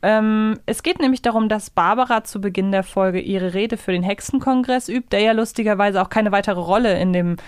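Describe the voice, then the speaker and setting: A woman's voice: medium pitch, fairly quick, hardly any pauses, clean tone, no echo. Dry close-sounding woman podcaster. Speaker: podcast co-host. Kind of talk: casual podcast discussion.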